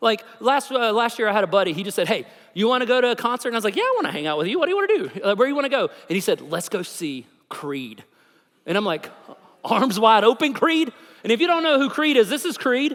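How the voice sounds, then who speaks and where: A man with a Southern US accent talks at a very fast pace in an extremely high pitch, animated in tone and making very wide pitch swings. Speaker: pastor. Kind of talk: sermon. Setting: church.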